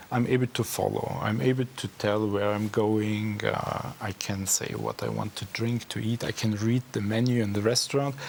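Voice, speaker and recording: A man with a German accent and a fairly low pitch speaks at a moderate pace over noticeable background noise. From Austria, Styria. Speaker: company director. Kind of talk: TV interview. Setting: studio.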